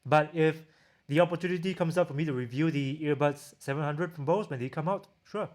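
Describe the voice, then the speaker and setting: A Singaporean-accented man who reviews audio gear hosts a livestream, casually reading out and answering what viewers ask. His fairly high-pitched voice comes across a little fast and a little mellow.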